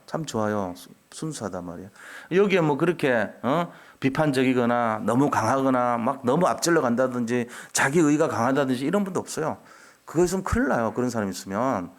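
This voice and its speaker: A man's voice: mid-range voice, a little fast. A man preaching a sermon as pastor, asking rhetorical questions and acting out the voices of churchgoers he quotes. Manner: animated, acts out quoted voices of churchgoers and children; scolding then softening, rhetorical questions. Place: church sanctuary.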